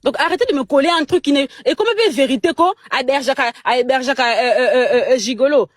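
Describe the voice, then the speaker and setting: A woman's voice: sits high, fairly quick, no echo, studio quality. A young Congolese woman in a heated casual chat, speaking French with a Congolese accent, emphatic and indignant, stumbling over repeated words. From Democratic Republic of the Congo. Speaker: guest on a live chat.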